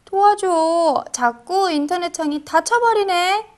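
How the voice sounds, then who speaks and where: A woman's voice: very high voice, slow, background noise. A woman teaching English to children, telling short stories and asking the kids questions. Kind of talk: children's lesson narration.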